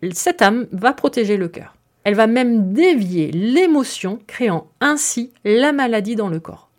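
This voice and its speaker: Give me a woman hosting an explanatory podcast, chatty and friendly, at a middling pitch. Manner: friendly and conversational, with frequent filler words. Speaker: podcast host.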